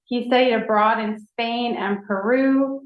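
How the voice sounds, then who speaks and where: A woman's voice: on the high side, steady tone, a little slow. A woman who directs a college advising office, presenting new staff at a board meeting in an upbeat, enthusiastic way. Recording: echoey room, dull lo-fi sound.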